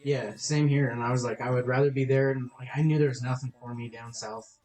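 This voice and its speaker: A man's voice: mid-range voice, steady tone, a little fast, darkish tone. A young man hosting a casual podcast chat, laid-back, filling his talk with "like" and "dude". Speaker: podcast host. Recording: echoey playback in the audio.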